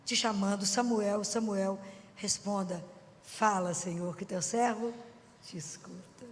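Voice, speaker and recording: Woman voicing a calm old biblical priest, storytelling tone, long hall reverb. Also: mid-range voice, a little slow, close to an everyday voice. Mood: gentle. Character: old male priest Eli, calm and gentle.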